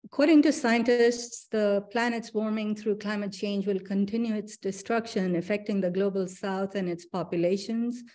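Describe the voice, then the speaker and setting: A middle-aged woman from Pakistan giving a virtual artist talk, speaking in a measured, reflective way over a video call. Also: medium pitch, fairly even intonation, mellow. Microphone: video call webcam.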